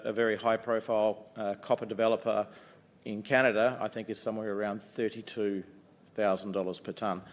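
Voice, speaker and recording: Middle-aged Kiwi man, loud and slightly low, upbeat and casual investor pitch with filler words. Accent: New Zealand. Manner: upbeat, conversational pitch with frequent ums and uhs. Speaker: mining company executive presenting to investors. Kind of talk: investor conference presentation.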